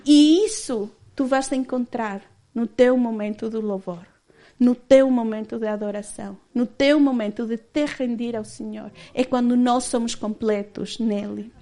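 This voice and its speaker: A woman's voice: a little high, a little slow, mellow. A woman in her thirties giving a candid personal testimony as a church speaker, often laughing as she tells it.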